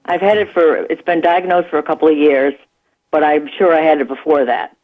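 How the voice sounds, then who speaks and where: A woman in her sixties calling into a radio show, giving brief, soft-spoken answers. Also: low-pitched, fairly even intonation, fairly quick. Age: 60s. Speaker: caller. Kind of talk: phone-in radio conversation. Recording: phone line.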